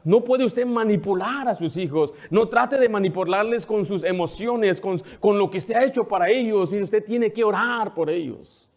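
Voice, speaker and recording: A man's voice: high-pitched, moderate pace, hardly any pauses, a little mellow. A male pastor preaching a sermon with fervent, emphatic repetition.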